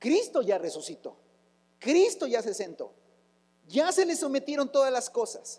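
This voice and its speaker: Delivered at a moderate pace, the speech has an animated tone. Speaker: pastor. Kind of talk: sermon.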